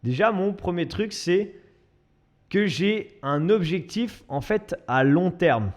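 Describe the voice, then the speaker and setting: A man's voice: high voice, animated, slow pace. Chatty young man hosting a solo podcast. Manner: chatty, self-mocking, many restarts and fillers. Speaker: podcast host and fitness coach. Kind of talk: casual solo podcast monologue.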